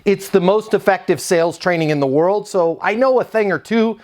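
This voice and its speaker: A man who founded a sales training company, giving energetic, emphatic career advice straight to the camera. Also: high-pitched, moderate pace. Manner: energetic, emphatic, punchy coaching delivery. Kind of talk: direct-to-camera advice video.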